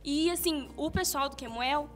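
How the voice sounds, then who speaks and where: A young woman from Minas Gerais with a Mineiro accent, a guest singer telling her story with animated, laughing self-quotes. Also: high-pitched, moderate pace, soft background music. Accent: Mineiro Brazilian Portuguese. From Minas Gerais, Brazil. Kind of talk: casual interview chat.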